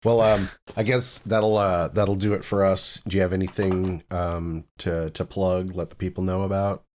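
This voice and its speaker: A man's voice: low voice, flat delivery, moderate pace, darkish tone, slight background noise. A man hosting a casual podcast chat, loose and joking, with lots of fillers and restarts. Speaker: podcast host.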